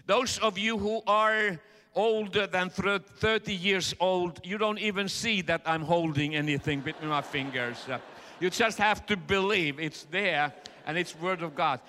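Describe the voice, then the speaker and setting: A middle-aged man with a Finnish accent preaches in English, his voice high and bright. He is earnest and halting, with plenty of "uh"s. His voice rings out in an echoey hall. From Finland. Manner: earnest, halting with frequent fillers. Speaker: preacher and interpreter. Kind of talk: sermon.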